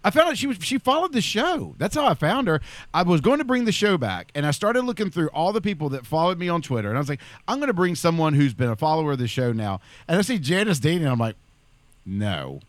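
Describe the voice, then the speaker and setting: A man's voice: fairly high pitch, very animated, quick pace, dry recording. A man hosting a casual podcast chat, rambling and often restarting his sentences. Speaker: podcast host.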